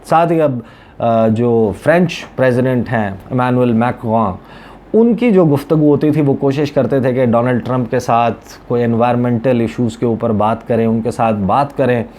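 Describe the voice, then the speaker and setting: A Pakistani man with a soft, mellow voice at a middle pitch presents news commentary. He explains things conversationally, dropping English words into his speech. There is some steady ambient noise behind him. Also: moderate pace. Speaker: journalist covering foreign policy, presenter. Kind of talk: news commentary addressed to viewers.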